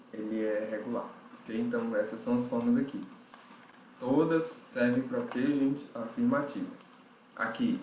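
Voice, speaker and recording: A man teaching an English grammar lesson. He explains patiently and often checks in with "ok?". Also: medium pitch. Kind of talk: recorded online lesson. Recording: roomy recording with faint background noise.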